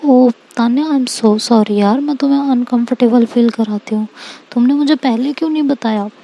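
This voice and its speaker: A woman voicing a hurt, insistent young woman who presses with quick questions, in a plain reading voice. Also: a little high, gravelly, warm tone, muffled recording. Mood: pleading.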